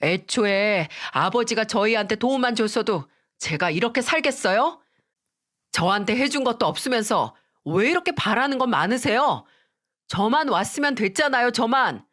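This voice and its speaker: Whining grown son done by a woman narrator, high and resentful; radio story. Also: expressive, moderate pace, a bit bright.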